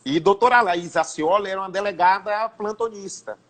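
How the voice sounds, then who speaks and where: A man's voice: sits high, a little fast, a bit bright. A man, a radio broadcaster and sports commentator, telling an anecdote in an interview, repeating and restarting words as he goes. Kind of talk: storytelling in a casual interview.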